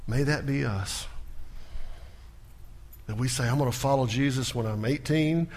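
A pastor preaching a sermon in a church, building to loud emphatic peaks and then dropping into a quiet prayer. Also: male voice, mid-range voice, a little slow. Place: church sanctuary.

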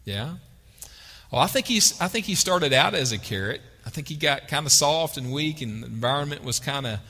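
A man with a Texan accent preaches a sermon, reading scripture aloud and discussing it conversationally while putting questions to his listeners. His fairly high voice is bright and pushed, with a breathy edge and lively intonation at a normal pace. The recording carries a long hall reverb.

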